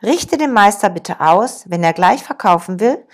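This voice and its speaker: A woman's voice: mid-range voice, lively intonation, unhurried, lightly acted. A woman reading the businesslike lines of a male jewelry dealer.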